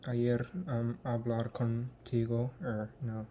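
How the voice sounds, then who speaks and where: A young American man from the United States, talking casually in a vlog and haltingly searching for words with many ums. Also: medium pitch, completely flat delivery, noisy background. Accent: American English. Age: young adult. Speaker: language learner.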